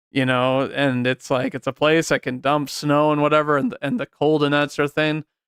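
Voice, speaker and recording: In a very clean recording with a silent background and a dry, close sound with no echo, a man speaks at a moderate pace with a fairly high pitch and fairly even intonation. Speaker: NFL podcast host. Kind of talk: solo sports analysis podcast. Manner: halting, many repetitions and fillers; casual, conversational.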